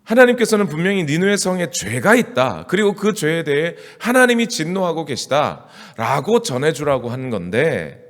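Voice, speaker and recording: A man's voice: fairly high pitch, sing-song, normal speed, few pauses. A male pastor preaching a sermon in a conversational style, asking his congregation question after question. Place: church sanctuary. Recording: church hall with long reverb.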